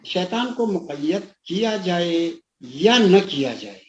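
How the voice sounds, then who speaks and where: A man's voice: high-pitched, big pitch swings. A middle-aged male religious scholar speaks as a guest on a talk show. He begins with Arabic invocations, then explains emphatically and stresses each key point. His voice sounds roomy and somewhat dull.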